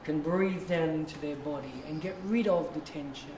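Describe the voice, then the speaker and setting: A man, an acting teacher guiding students through a warm-up, encouraging and drawn-out. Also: a little high. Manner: encouraging, coaching with drawn-out phrasing. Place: large echoey class studio. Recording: echoey room, distant mic, noisy.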